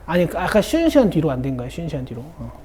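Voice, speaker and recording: A woman's voice: low voice, sing-song, fast, dark tone, a little hiss or hum. A woman math teacher leading a classroom lesson, who keeps checking in with her students as she works through a problem. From South Korea. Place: academy classroom.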